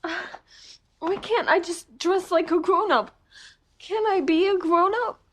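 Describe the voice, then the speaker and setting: An upset young woman in a tv drama, really high voice, slow fretful delivery. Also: fairly bright tone. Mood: anxious, upset. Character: distressed young woman fretting over what to wear. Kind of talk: television drama acting.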